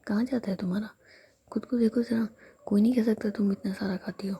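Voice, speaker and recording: A woman's voice: mid-range voice, fairly even intonation, brisk, warm tone, a little hiss or hum, lightly acted. A woman voicing a coy, teasing young woman, speaking in a whisper.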